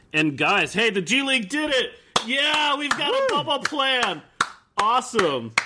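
Over noticeable background noise, a man with an extremely high pitch uses a raised, projected voice at a moderate pace, his intonation lively and his loudness very even. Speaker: podcast host. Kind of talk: casual sports podcast chat.

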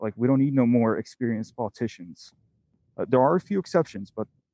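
A man with an American accent speaks at a medium pitch in a dark, mellow tone. The sound is dry and close, with no echo. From Pennsylvania, US. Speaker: congressional candidate. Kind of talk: interview. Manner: halting.

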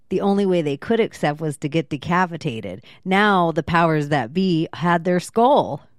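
A woman with an American accent and a normal speaking voice talks at a moderate pace with fairly low pitch, lively intonation and hardly any pauses, on a very clean recording with a silent background. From Florida. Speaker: podcaster and researcher. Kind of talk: casual chat.

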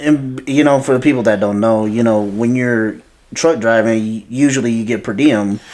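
A man speaks with a Texan accent. His intonation stays fairly even. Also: medium pitch for a man, moderate pace. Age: 20s. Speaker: podcast co-host. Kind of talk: casual chat.

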